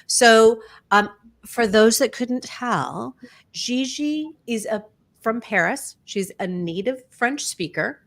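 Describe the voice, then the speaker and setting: A woman hosting an interview, introducing her guest haltingly with fillers and self-corrections. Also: on the high side, expressive. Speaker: host.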